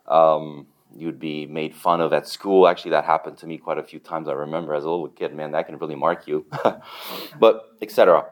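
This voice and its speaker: A deep-voiced man in his forties with a Romanian accent tells his story to a church congregation. He talks in a loose, conversational way, leaning on fillers and little chuckles as he goes. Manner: relaxed, chatty, many fillers, soft chuckles. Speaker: church planter giving a testimony.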